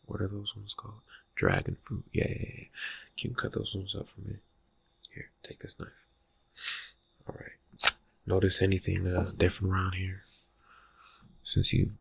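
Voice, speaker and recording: A man playing a reclusive, slyly menacing vampire friend in an ASMR roleplay, murmuring haltingly in a raspy, breathy voice with dry suspicion. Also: low voice, heavily acted. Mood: casual, lazy, then quietly ominous. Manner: hesitant, halting, laconic, dryly suspicious. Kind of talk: ASMR roleplay, soft-spoken character talk.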